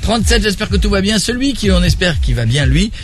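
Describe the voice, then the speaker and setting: A man hosting an evening radio show, joking quickly with his co-host. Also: high voice, animated, faint music behind. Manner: quick, jokey.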